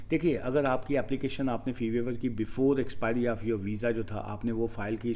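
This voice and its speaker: With a dark, mellow tone, a man speaks in a medium pitch. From Punjab. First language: Punjabi (speaking Hindi). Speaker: immigration lawyer. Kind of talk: live Q&A. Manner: casual code-switching Hindi-Urdu, Punjabi, English.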